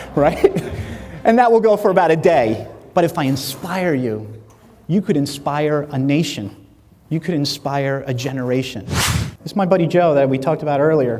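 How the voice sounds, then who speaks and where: In a room with audible echo and noticeable background noise, a man with a fairly high pitch talks at a moderate pace with lively intonation. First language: Spanish. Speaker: inspirational speaker. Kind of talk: motivational speech. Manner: animated storytelling.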